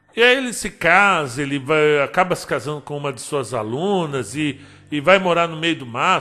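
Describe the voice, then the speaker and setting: Against a quiet background, a man with a bright, sharp tone and a fairly high pitch speaks at a moderate pace with lively intonation. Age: 40s. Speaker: audiobook narrator and storyteller. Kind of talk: casual commentary on an author's life. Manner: conversational, with frequent fillers and hesitations.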